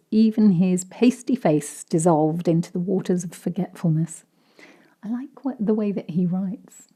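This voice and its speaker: A woman reading a memoir aloud in a soft, gentle, soothing way, often slipping into a whisper. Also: lowish voice. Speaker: reader.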